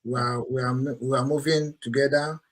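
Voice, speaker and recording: A man's voice: mid-range voice, fairly even intonation, moderate pace. A male host moderating an online call, polite and repeating his thanks.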